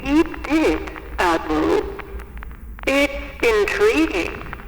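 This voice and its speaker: An actor playing an imperious, coldly courteous overseer of a sinister mansion in an audio horror drama, with slow, theatrical menace. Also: male voice, high voice, big pitch swings, a bit bright, full character voice. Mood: amused, condescending. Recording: echoing hall, long reverb, faint noise.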